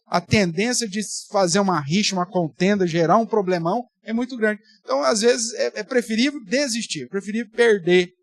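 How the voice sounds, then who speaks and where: A man's voice: sits high, a little fast, hardly any pauses, dry recording. Man pastor. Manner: conversational, with playful exaggeration. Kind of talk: Bible study teaching. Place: church.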